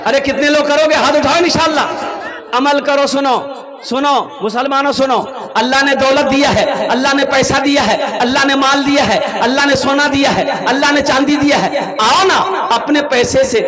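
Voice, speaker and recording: A man preaching a rousing Muslim sermon in a booming political-rally manner, calling on his listeners to respond, through a stage microphone. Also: moderate pace. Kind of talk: rousing sermon oratory to a crowd. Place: large religious gathering. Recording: echoing PA system before a crowd.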